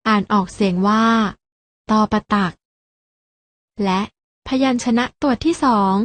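A woman's voice: medium pitch, normal speed. A woman teaching a Thai language lesson to young children, speaking patiently and encouragingly as she leads them through the letters.

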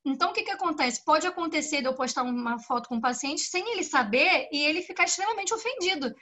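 A woman speech therapist with a Brazilian Portuguese accent gives a lively, chatty lecture and often asks rhetorical questions. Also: high-pitched, fast. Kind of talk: symposium lecture.

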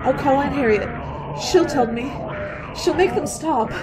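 Woman playing a high-pitched, frightened college girl. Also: expressive, over loud music, rough recording. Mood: panicked. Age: young adult. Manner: halting, breathless repetitions. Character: frightened, pleading college girl, easily panicked. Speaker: radio drama actor. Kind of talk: suspense radio play acting.

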